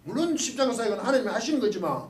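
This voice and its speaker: Animated man lecturing in a roomy hall. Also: very high voice, racing. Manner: animated, asks the class questions, acts out quotes. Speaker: Bible lecturer. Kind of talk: lively Bible study lecture. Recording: roomy, mic at a distance.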